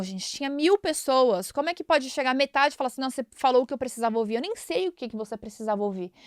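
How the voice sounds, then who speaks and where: A woman's voice: on the high side, no echo, clean studio sound. A woman in her thirties with a Brazilian Portuguese accent, hosting a podcast and sharing a personal faith testimony in an earnest, emotional way, often repeating herself. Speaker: podcast host.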